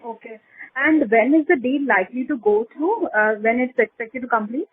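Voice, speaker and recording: A woman with an Indian accent asking questions as an analyst on a conference call, halting and repeating herself as she probes. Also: fairly high pitch, animated, husky. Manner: halting, repetitive, probing. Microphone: telephone conference call. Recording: tinny narrow phone line.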